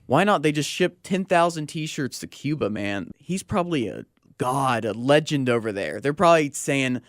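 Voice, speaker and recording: A man's voice: medium pitch, sing-song, moderate pace, no room sound, studio quality. A young American man hosting a sports talk radio show in a casual, slangy, conversational way.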